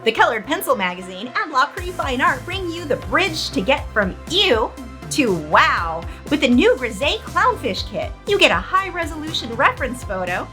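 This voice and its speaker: A woman playing an over-excited, cheesy infomercial announcer, with exaggerated salesy delivery and drawn-out emphasis. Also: sits high, faint music behind, pitched above the performer's own voice, heavily acted. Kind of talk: parody infomercial pitch.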